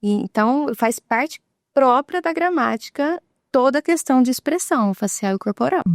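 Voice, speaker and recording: A talk show guest who specializes in sign language speaks in a high, lively voice at a moderate pace, with a Brazilian Portuguese accent. She explains things patiently and often checks in with tag questions. The recording is dry and studio quality.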